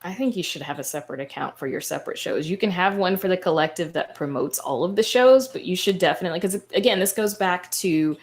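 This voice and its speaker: A woman's voice: fairly low pitch, animated, fast talker, few pauses. A woman speaking as a podcaster on a panel, giving informal, explanatory advice in a conversational way.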